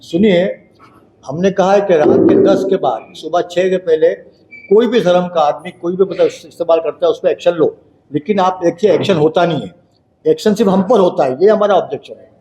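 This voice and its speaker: A man's voice: high-pitched, fairly quick, mellow, slight background noise, poor audio. A man answering reporters at a press conference, explaining his objection emphatically. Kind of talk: impromptu explanation.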